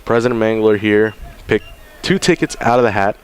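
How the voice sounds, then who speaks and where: A man's voice: fairly low pitch, moderate pace, clear, resonant tone. A man doing color commentary at a college baseball game, chatty and joking, with many restarts. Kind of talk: sports commentary and banter.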